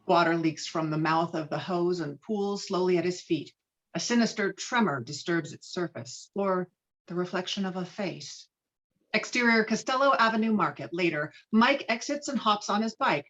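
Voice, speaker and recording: A woman's voice: on the low side, animated, normal speed, fairly bright tone, muffled recording. A woman reading stage directions as narrator in a script table read.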